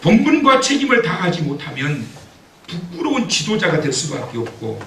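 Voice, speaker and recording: A man preaching a sermon as pastor, telling a story with acted-out quotes and building to loud exhortation, recorded in a church. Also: a little high, huge pitch swings, normal speed, a little hiss or hum. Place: church sanctuary. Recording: echoey church hall, mic at a distance.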